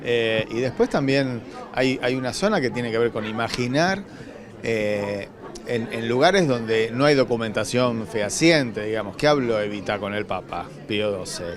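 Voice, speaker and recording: An Argentine man giving an interview answer in a halting, thoughtful manner, searching for his words. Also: mid-range voice, lively intonation. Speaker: radio drama scriptwriter. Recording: crowd chatter behind, public event.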